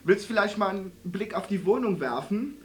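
A man's voice: high voice, animated, a little fast, slight background noise. A man acting in a comic radio play as a vain, fussy, theatrical gay homemaker who exclaims and gossips in a camp manner. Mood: gushing.

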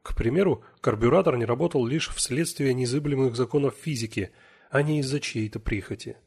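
Brief: male audiobook narrator, husky, mid-pitched, measured. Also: darkish tone. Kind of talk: scripted narration.

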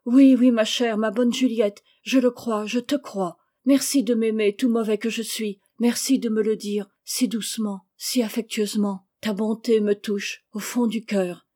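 A hot-tempered young orphan boy, as a woman reader puts him on, impatient and indignant. The voice is raised and pitched fairly high, with a mellow storybook warmth. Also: steady tone, measured pace, hardly any pauses. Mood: tender. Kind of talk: audiobook character reading.

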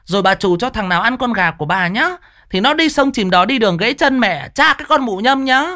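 A man voicing a foul-mouthed village woman who hurls shrill, rapid curses at her neighbors. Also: lively intonation, bright, forceful tone. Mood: furious. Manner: screeching, rapid cursing rant.

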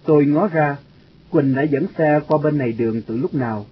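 A man narrating a first-person story in a lively storytelling manner. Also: fairly high pitch, normal speed, husky. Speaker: audiobook narrator. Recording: dull lo-fi audio, faint music.

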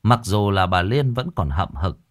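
A man narrating a village folk story in a lively, colloquial way. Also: sits low, moderate pace.

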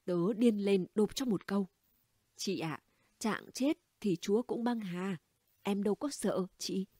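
A woman's voice: medium pitch, measured pace, mellow, husky, no echo, studio quality. A woman reading the dialogue of a gossipy, blunt middle-aged neighbor woman in an audiobook, chatty and conspiratorial. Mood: gossiping.

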